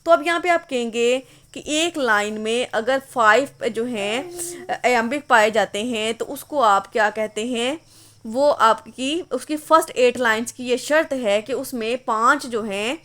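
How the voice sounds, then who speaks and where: Slow-paced, high-voiced woman teaching. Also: a bit bright. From Pakistan. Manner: explains patiently, reads highlighted words aloud one by one. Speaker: English literature teacher. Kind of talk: online lecture.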